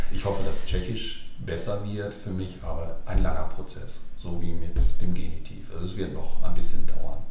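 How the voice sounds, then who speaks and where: Over noticeable background noise and audible room echo, a man with a very deep, low pitch speaks at a moderate pace, his intonation fairly even but his loudness swinging a lot. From Germany and England, bilingual upbringing. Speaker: guest, half-English expat. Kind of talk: casual interview. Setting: studio, table microphone.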